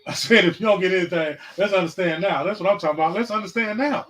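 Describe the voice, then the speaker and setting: In his forties, this podcast host runs a casual livestream from a home setup, mixing chat with sermon-like preaching. His high-sitting voice moves fast, breaking into loud, repetitive outbursts full of profanity and slang as he calls out viewers.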